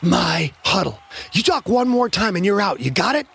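A man voicing a hot-tempered young male quarterback, barking bossy, aggressive commands in a husky voice. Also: sits high, animated, normal speed, pitched above the performer's own voice, full character voice. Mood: gruff, commanding.

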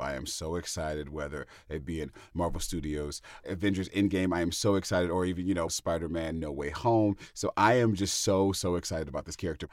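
A man on a podcast talking in casual chat, gushing and excitable, stumbling and repeating words on a studio mic. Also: deep voice, no room sound. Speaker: podcast guest.

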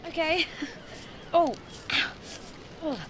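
A woman playing a nervous, eager-to-please young woman who squeals when excited. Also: medium pitch, normal speed, slight background noise.

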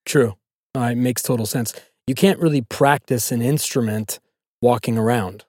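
A man with a mid-pitched, mellow voice hosts the interview. He asks short questions and drops in easy agreement. The sound is dry and close-miked. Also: normal speed, no echo. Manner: brief, agreeable questions and affirmations. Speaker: interviewer, host. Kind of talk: conversational interview.

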